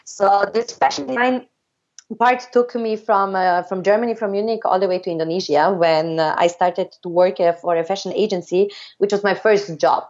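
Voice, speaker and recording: A woman in her thirties recounts her path abroad in a relaxed, conversational way, stopping often to restart her sentences and fill pauses. Her voice sits at a middle pitch. The audio is somewhat dull and lo-fi. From Austria. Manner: halting, many fillers and restarts. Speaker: podcast guest. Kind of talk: casual interview storytelling.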